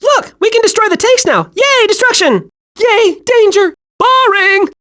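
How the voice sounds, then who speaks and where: A hyperactive little cartoon squirrel, pitched very high. The delivery swoops up and down with naive, childlike glee, made for an animated video game. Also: unhurried, full character voice. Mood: excited. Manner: excitable, childlike, gleeful exclamations.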